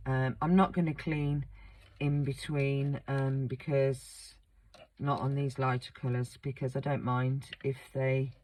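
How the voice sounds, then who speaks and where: A woman with a croaky voice from a sore throat, chatting casually with lots of ums as she demonstrates a crafting project on her channel. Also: rumbling low, a little hiss or hum, rough recording. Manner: relaxed, chatty, many ums.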